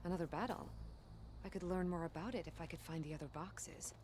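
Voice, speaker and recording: A woman's voice: fairly low pitch, a little fast, a little mellow, slight background noise, natural voice. An actress playing an earnest, reverent tribal warrior woman in a video game, with a formal, grave manner. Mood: earnest reverence.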